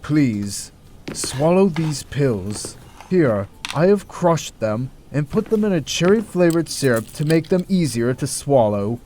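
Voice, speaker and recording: A man's voice: fairly high pitch, very animated, takes it slowly, a little mellow, a little hiss or hum. Man playing an earnest, overworked hospital doctor. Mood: patient, pleading. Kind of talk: audio drama acting.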